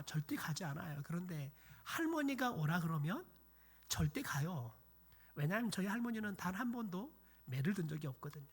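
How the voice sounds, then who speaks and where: A man's voice: high voice, fairly bright tone, husky. A middle-aged man preaching a sermon in a church, telling folksy family stories and dropping into whispers for emphasis. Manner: folksy storytelling, acting out scolding relatives, dropping to whispers. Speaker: pastor. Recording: church sanctuary.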